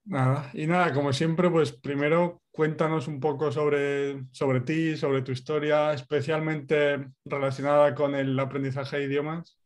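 A man's voice: fairly high pitch, little pitch movement, measured pace, few pauses. A man from Spain hosting a podcast interview, friendly and encouraging with his guest. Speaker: podcast host.

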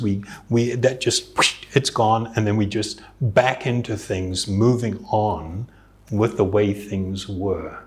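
A man speaking slowly and thoughtfully as a yoga teacher, explaining spiritual ideas in an earnest tone. His voice sits at an ordinary middle pitch, and he breaks into a soft chuckle every so often. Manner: reflective, earnest, with occasional chuckles. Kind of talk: spiritual talk.

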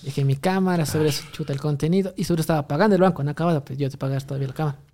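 A man's voice: a little high, rapid-fire, darkish tone. A young man, rambling through a story in casual chat, full of restarts and fillers. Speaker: guest telling a story.

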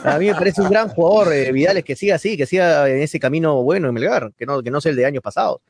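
A man with a Peruvian Spanish accent co-hosts a sports talk show, delivering heated football commentary in an emphatic, indignant tone and repeating words. He talks fast in a fairly high yet darkish voice, recorded with studio quality and no room sound.

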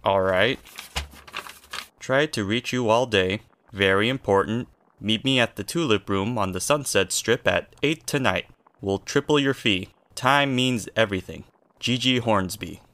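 A chatty, earnest telegram man in an old-time radio comedy. His voice is bright and forward, recorded close and dry. He comes across as an eager gossip. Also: on the low side, unhurried, no echo. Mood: brisk reading.

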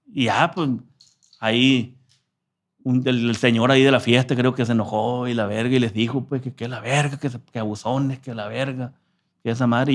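A man from telling a story in a casual interview, slangy and profane. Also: medium pitch. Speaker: musician guest.

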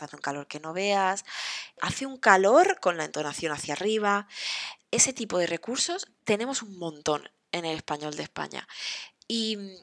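Expressive woman, low-pitched voice. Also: no echo, studio quality. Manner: chatty and expressive, with lively laughs. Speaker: podcast host and Spanish teacher. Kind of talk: casual podcast lesson.

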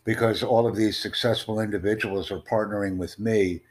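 A man with a very deep, low voice hosts an online chat. He speaks in measured, formal sentences, pitching his ideas like a presentation. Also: fairly even intonation. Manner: formal, promotional, measured delivery. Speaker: host of online conversation. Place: in the United States.

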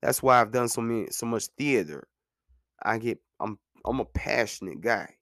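Man, 30s, podcast host, casual and motivational, repeats himself for emphasis, mid pitch, dry close sound. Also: normal speed, a bit bright, no echo. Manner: conversational, says "man" and "you know what I'm saying". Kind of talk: casual monologue.

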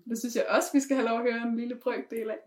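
A woman's voice: a little high, fairly even intonation, darkish tone. A woman host presenting a podcast segment from notes, with the odd filler. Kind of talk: scripted presenting.

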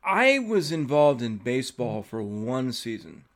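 A young man hosting a podcast in a casual interview chat, relaxed and talkative, letting his thoughts trail off. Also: mid-range voice, a little slow. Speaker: podcast host.

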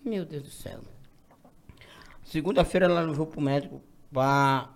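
A man in his forties telling a comic life story on a talk show, animated and acting out the people in it. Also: a little high, normal speed. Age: 40s. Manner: animated, slips into acted quotes. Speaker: guest.

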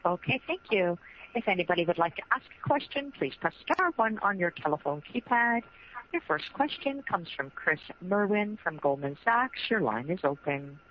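A woman's voice: fairly low pitch, big pitch swings, moderate pace. A woman working as a conference call operator, giving scripted instructions to callers. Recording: dull phone line with faint noise.

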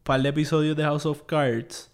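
A man's voice: fairly high pitch, flat delivery, moderate pace, slight background noise. Man chatting about films. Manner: rambling, mixes English phrases into Spanish. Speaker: podcast host. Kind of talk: casual chat.

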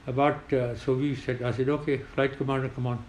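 Older guy w south asian accent, ex pilot telling war stories, halting but emphatic, medium pitch, noisy background. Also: level tone, a little mellow, reverberant. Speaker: retired air force pilot. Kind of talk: recounting war memories in an interview.

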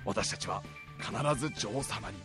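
A man voicing a loyal soldier ant in a radio monologue, with a hoarse, formal, earnest delivery to his queen. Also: lowish voice, moderate pace, over music, voice pushed down, natural voice. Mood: earnest, grand. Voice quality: hoarse, raspy.

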